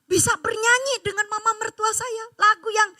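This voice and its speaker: A woman pastor preaches to her congregation. Her voice sits high and rings very bright, telling stories with animation and pressing each point with emphasis. The sound is close and dry. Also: moderate pace, no room sound. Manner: animated storytelling, emphatic exhortation. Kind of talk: sermon. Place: church service.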